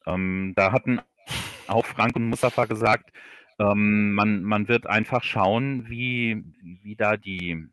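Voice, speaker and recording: Low-voiced man, halting in conversation. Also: fairly even intonation, fairly bright tone, dry recording. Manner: halting, repeats words while searching for phrasing. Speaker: guest, audio drama author. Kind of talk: casual livestream interview.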